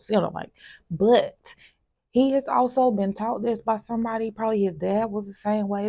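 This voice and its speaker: A woman's voice: lowish voice, vocal fry. A woman giving casual, colloquial opinion commentary, acting out little examples as she makes her points. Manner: colloquial, animated mimicry to make points. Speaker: commentator reacting to a court show.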